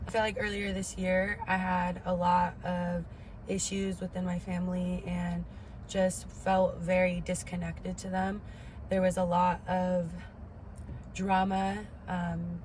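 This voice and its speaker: Girl in her 20s doing a candid personal vlog, lowish flat voice, steady noise behind her. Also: low-quality recording. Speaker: vlogger. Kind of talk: candid personal talk to camera.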